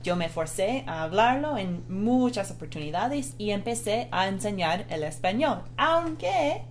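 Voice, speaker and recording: A woman's voice: mid-range voice, sing-song, a little slow. A woman co-hosting a live Spanish lesson, speaking Spanish as a second language with a foreign accent and an earnest manner. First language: not Spanish. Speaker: Spanish teacher and co-host.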